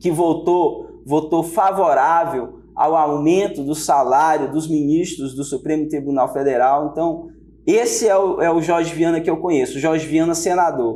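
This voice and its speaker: In a room with audible echo, a man with a fairly high pitch talks at a fairly slow pace with fairly even intonation and hardly any pauses. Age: 30s. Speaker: politician, public school teacher. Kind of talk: political interview.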